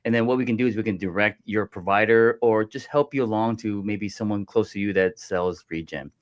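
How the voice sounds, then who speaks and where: A man's voice: on the low side, steady tone, fairly quick, no room sound, studio quality. A man who is a sports chiropractor, a guest on a podcast, talking casually and telling stories in an easygoing way. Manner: easygoing storyteller, acts out the voices in his jokes.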